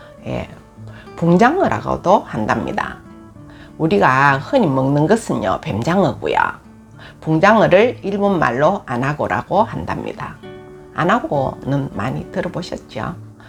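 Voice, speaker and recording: A woman's very deep, low voice at a very slow pace, with very wide pitch swings, long, frequent pauses and music in the background. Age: 70s. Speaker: YouTuber, former restaurant owner. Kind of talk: personal storytelling.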